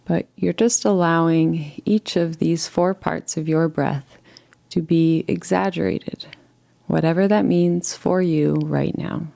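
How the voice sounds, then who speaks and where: A woman leading a guided relaxation meditation in a gentle, soothing, unhurried way, leaving long pauses between phrases. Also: deep voice, fairly even intonation, creaky.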